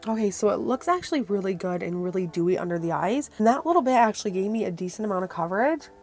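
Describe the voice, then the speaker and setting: A woman's voice: medium pitch, lively intonation, quick pace, darkish tone, faint music behind. A woman beauty vlogger chatting casually to viewers through a product review, her voice worn from being sick.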